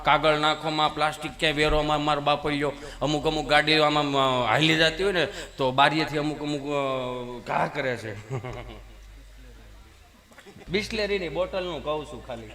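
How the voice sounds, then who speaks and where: A man's voice: a little high, long reverb tail. A man telling folk comedy stories to a live audience on a stage microphone. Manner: lively, conversational, addresses the audience. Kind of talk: stand-up folk comedy storytelling.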